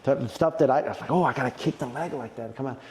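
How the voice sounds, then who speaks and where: A middle-aged man, a jiu-jitsu black belt, talking in a casual interview and getting loud and high-pitched when worked up. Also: quick pace, a little hiss or hum. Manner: animated, emotional storyteller who gets loud and high when excited.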